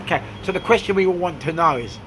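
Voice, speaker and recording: A man interviewing a cafe owner on a handheld phone, excitable, laughing often and tripping over his questions. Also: sits high, fast, noisy background. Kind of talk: casual street interview. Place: small cafe, indoors.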